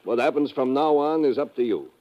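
A man's voice: mid-range voice, expressive, fairly quick, natural voice. Male actor as savvy lieutenant, slangy, matter-of-fact first mate, muffled vintage radio adventure sound. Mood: easy, knowing. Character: brisk, knowing male US Navy lieutenant, ship's first mate. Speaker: supporting actor in a radio drama. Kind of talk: 1950s radio adventure drama acting. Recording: dull old radio recording.

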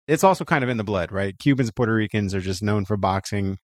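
A man's voice: fairly low pitch, fast, no room sound, clean studio sound. A man from Florida, a podcast guest, telling his life story casually, peppering it with "you know" and "right?". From Florida, USA. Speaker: guest, co-founder of a voting rights group.

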